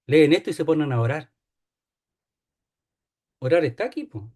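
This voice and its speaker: A man teaches a Bible study in a fairly high voice. He explains each point step by step, repeats key phrases and checks in with his listeners. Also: animated, normal speed, warm tone.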